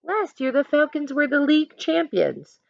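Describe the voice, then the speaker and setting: A woman's voice: sits high, big pitch swings, normal speed, vocal fry, dull audio, pitched above the performer's own voice, heavily acted. A woman voicing eager, competitive young girl soccer players from a storybook, exclaiming in short bursts. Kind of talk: storybook character voices.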